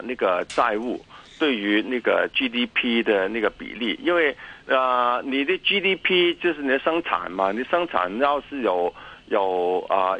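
A native Cantonese speaker, this man talks Mandarin with a Cantonese accent while answering interview questions as an academic guest. His explanations come haltingly, full of pauses and repeated words. His voice is medium-pitched and gravelly, and the recording sounds lo-fi.

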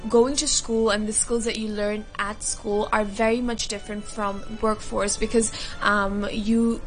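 A woman's voice: mid-range voice, flat delivery, a little slow, soft background music, rough recording. A woman in her twenties, a university student, talking earnestly about her career path with frequent ums. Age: 20s. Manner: earnest, many fillers, softening toward the end. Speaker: university student, charity beneficiary. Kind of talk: recorded interview testimony.

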